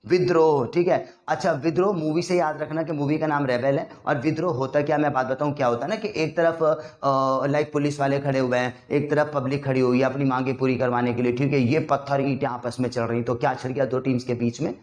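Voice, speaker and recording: Lively man teaching vocabulary, echoey room. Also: medium pitch, fairly quick, few pauses. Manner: lively, acts out little scenes and quizzes the listener. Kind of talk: casual Hindi lesson with acted-out examples.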